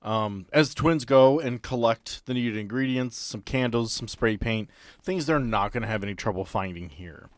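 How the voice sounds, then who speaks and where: A man serving as game master narrates a tabletop role-playing story deliberately, using short, dramatic phrases. His voice is medium-pitched and the recording has no echo.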